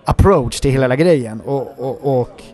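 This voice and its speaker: Speaking at a medium pitch, a man being interviewed informally recounts behind-the-scenes film stories. He's an actor, and his delivery wanders, full of energy and peppered with filler words.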